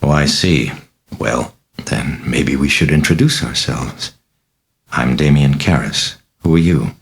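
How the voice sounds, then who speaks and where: A calm, skeptical priest , read by a man, speaking in a very deep, gravelly voice. He questions patiently and reasons step by step, measured and steady. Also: full character voice. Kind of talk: audiobook character voice.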